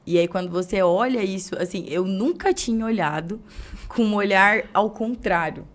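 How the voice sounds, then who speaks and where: A woman's voice: mid-range voice, normal speed. A young woman with a Brazilian Portuguese accent hosting a podcast, telling stories animatedly and acting out bits of dialogue. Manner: animated storyteller, acts out dialogue. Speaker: podcast host. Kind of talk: casual interview chat.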